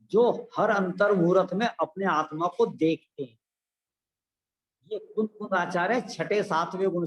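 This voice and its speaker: Slow, high-voiced man teaching scripture. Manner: asks listeners rhetorical check-in questions; repeats key phrases for emphasis. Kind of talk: religious discourse to a class.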